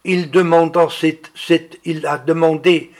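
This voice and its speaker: A man preaching a sermon, reading out healing testimonies in a slow, deliberate way. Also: on the high side, level tone, darkish tone.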